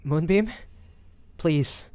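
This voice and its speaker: A man's voice: fairly high pitch, drawn-out words, mellow, no room sound. A man playing a devoted fantasy adventurer and healer in an audio roleplay, speaking intimately and earnestly. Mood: frantic, worried. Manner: intimate, earnest, with breathy sighs. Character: devoted fantasy adventurer and healer, tender toward his dragon beloved. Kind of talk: dramatic audio roleplay addressed to the listener.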